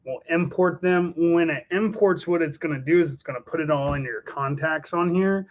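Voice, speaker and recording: A man's voice: a little high, normal speed, dull audio. Guy casually explaining how to do something on a computer, step by step, laptop mic in a small room. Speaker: software demonstrator. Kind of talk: casual walkthrough of a software task.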